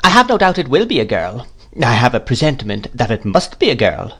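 A man's voice: mid-range voice, huge pitch swings, brisk, a bit bright, husky, exaggerated voice. A man voicing a stern, brusque older woman who gives orders in a clipped, scolding way. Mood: commanding.

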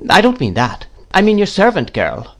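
A man's voice: sits high, wildly swooping pitch, normal speed, pitched above the performer's own voice, full character voice. A man voicing a stern, brusque older woman who gives orders in a clipped, scolding way. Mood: commanding.

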